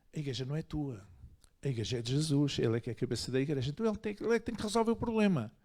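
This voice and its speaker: A man with a European Portuguese accent speaks with very wide pitch swings. The recording is very clean, with a silent background. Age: 70s. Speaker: pastor. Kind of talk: farewell speech to congregation. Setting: church.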